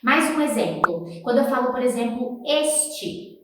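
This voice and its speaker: A woman teaching English pronunciation, explaining and then slowly repeating words for the viewer to copy. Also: high voice, expressive, noisy background. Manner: encouraging, talks straight to the viewer. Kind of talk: pronunciation lesson with drills. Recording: echoey room, voice from a distance.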